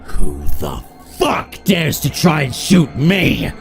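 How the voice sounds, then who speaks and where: Gravelly, menacing demon overlord. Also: male voice, fairly high pitch, huge pitch swings, full character voice. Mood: enraged. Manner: menacing, drawn-out threats. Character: furious, menacing male demon overlord villain. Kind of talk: comic dub voice acting. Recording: music behind the voice.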